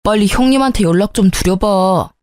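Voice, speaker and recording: A woman's voice: medium pitch, brisk, a little mellow, dry recording, clean studio sound, close to an everyday voice. A woman voicing a petty, stubborn young husband in a storybook drama, speaking in a whiny, pleading way.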